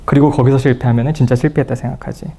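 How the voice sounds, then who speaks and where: A man's voice: mid-range voice, rapid-fire, slightly rough. A man giving a psychology lecture, telling personal stories to an audience and acting out the dialogue he quotes. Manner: lively storyteller who acts out quoted dialogue. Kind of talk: public lecture, personal storytelling. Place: lecture room at a counseling center.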